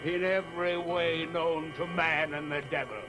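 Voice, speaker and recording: An actor playing a proud, vengeful black magician in an old radio horror drama, grandiose and menacing. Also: male voice, fairly high pitch, little pitch movement, normal speed, natural voice. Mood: gloating. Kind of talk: 1940s radio horror acting. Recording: vintage radio recording, music behind.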